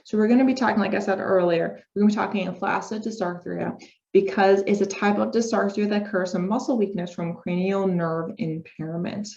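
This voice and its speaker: A woman's voice: mid-range voice, steady tone, brisk, gravelly, darkish tone. Upbeat woman giving a lo-fi lecture. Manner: upbeat, explains step by step with spoken demonstrations. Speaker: speech therapy lecturer. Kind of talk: informal recorded lecture. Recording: dull lo-fi recording.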